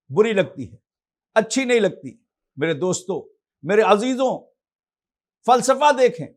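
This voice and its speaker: A man with an Indian Urdu accent preaching a memorial majlis sermon, addressing the congregation directly in rising and falling oratory. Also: high-pitched. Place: studio.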